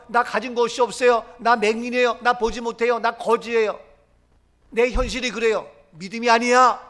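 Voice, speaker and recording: Middle-aged male pastor, high pitch, emphatic sermon delivery with acted-out quotes. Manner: emphatic preaching, swinging from loud declarations to low murmurs; acts out quoted lines of Jesus and the crowd.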